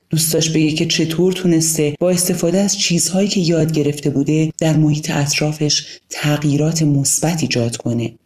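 A woman narrating an audio storybook in a calm, measured reading style. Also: deep voice.

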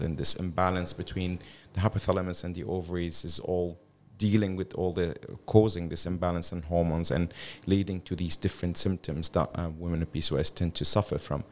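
A middle-aged man from Belgium and Syria, a gynecologist guest on a podcast, speaking with many restarts and fillers. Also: low voice. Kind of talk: podcast interview.

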